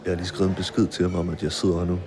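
A man narrating his own story in a quiet, measured first-person documentary style, with marimba music behind him. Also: deep voice, completely flat delivery.

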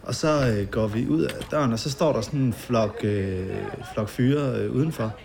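A man being interviewed, recounting a memory in a halting way with many fillers and vivid detail. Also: mid-range voice, creaky.

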